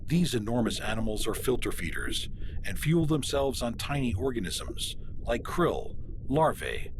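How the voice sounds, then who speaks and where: A man giving scripted nature documentary narration in a measured, dramatic way, with grand descriptive phrasing. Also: medium pitch, big pitch swings, background noise. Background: music behind the voice.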